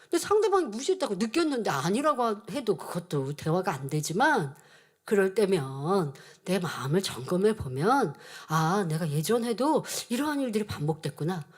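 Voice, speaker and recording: A woman's voice: mid-range voice, very animated, normal speed. A woman preacher giving an earnest sermon and acting out quoted dialogue in changing voices. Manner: earnest teaching tone.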